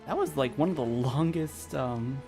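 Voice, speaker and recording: A man streaming a game, reacting casually in informal, loosely phrased, halting remarks. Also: mid-range voice, mellow, faint music behind. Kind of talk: casual live reaction commentary.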